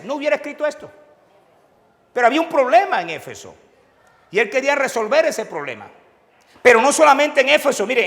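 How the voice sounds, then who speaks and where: A man's voice: sits high, gravelly. A male pastor, preaching a sermon and quizzing the congregation, chuckling now and then. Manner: animated preaching with call-and-response questions. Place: church sanctuary. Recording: reverberant church hall.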